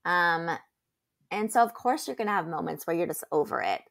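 A woman's voice: lowish voice, lively intonation, moderate pace, vocal fry, a bit bright. A young woman co-hosting a podcast, talking in a chatty, reassuring way with lots of fillers. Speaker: podcast co-host. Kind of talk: casual chat.

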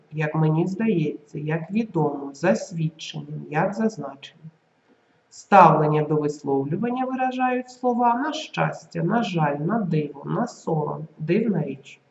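A language teacher narrating a scripted video lesson, reading word lists slowly and clearly with marked intonation. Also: medium pitch, darkish tone. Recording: echoey room, dull lo-fi recording.

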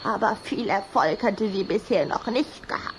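A woman's voice: medium pitch, expressive, moderate pace, a little hiss or hum, natural voice. A woman playing a chatty, playful, gossipy little vampire girl with a girlish voice in a children's radio play. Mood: scornful.

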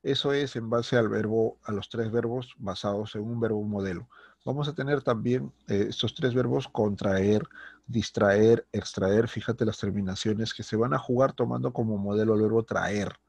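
A man's voice: on the low side, steady tone, moderate pace, creaky, a little mellow, slightly rough, no room sound. A male teacher giving a grammar lesson with a Peruvian Spanish accent, patient and repetitive, often checking in with his students. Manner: patient, repeats words and checks with "¿ok?" and "¿listo?".

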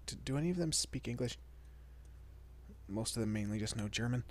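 In this romantic audio roleplay, a man plays a shy, anxious young vampire father who stammers, speaks softly and often sinks to a near-whisper. His mid-range voice is animated and brisk, close to how he'd normally talk, and the mood is uneasy and awkward.

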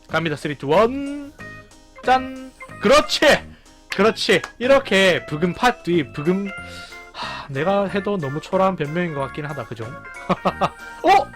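A man giving excited commentary over his gameplay, counting down and exclaiming loudly as he goes. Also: sits high, a little slow, faint music behind. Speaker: gaming streamer.

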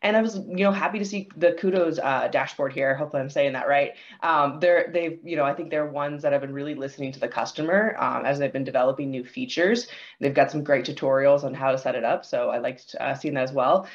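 A woman's voice: extremely low pitch, fairly quick, highs cut off. A woman speaking as a panelist over a video call, upbeat and agreeable, with frequent "you know" fillers. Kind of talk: webinar panel discussion.

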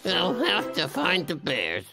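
Cartoon logger, whiny, scheming, theatrical, wildly swooping pitch, slow delivery, loud music. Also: male voice, huge pitch swings, exaggerated voice. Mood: grumbling, plotting. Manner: whiny, theatrical muttering and outbursts. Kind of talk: exaggerated cartoon voice acting.

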